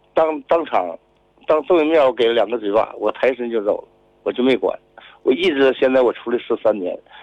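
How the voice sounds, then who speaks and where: A man's fairly high voice at a fairly quick pace. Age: 50s. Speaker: caller. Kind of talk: phone call-in confession. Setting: phone call. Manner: halting.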